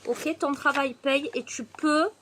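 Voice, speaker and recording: A woman's voice: sits high, steady tone, unhurried, a bit bright. A woman from Marseille with a southern French accent, chatting casually to the viewer while giving a tarot reading outdoors on a terrace. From Marseille, southern France. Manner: chatty, laughs often, addresses viewer directly. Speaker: tarot reader. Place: outdoor terrace on a windy day. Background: faint wind noise.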